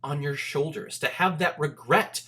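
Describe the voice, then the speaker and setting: A man's voice: on the high side, measured pace, bright, forceful tone. A man hosting a casual movie review, talking straight to viewers in an emphatic, conversational, joking way.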